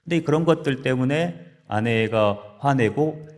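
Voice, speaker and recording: Lively pastor in a reverberant hall. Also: male voice, medium pitch, a little slow. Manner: lively storytelling, acting out quarrels with sudden loud lines. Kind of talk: church marriage seminar talk. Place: church hall.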